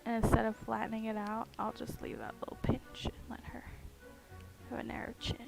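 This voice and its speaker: A woman's voice: on the high side, little pitch movement, a little fast, vocal fry, rough recording. A woman chatting casually on a live stream while she carves, with a groggy morning voice, giggling, rambling and humming to herself. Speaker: streamer carving pumpkins. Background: music playing in the background.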